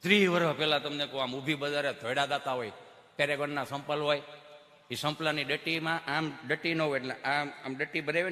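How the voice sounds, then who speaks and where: A man's voice: on the high side, long reverb tail. A man telling comic stories on stage and acting out the people in them. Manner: animated, acts out mothers, children and doctors. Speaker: stand-up comedian. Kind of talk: Gujarati folk comedy storytelling.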